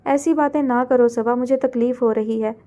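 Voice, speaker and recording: A woman's voice: fairly high pitch, fairly even intonation, normal speed, mellow, highs cut off, natural voice. A woman voicing a remorseful, pained married man. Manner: apologetic, subdued.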